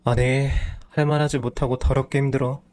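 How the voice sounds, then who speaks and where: A man's voice: mid-range voice, level tone, a little fast, a little mellow, lightly acted. A man voicing a lazy, self-pitying husband who makes excuses, in a storybook reading. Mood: defensive. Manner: whiny, defensive.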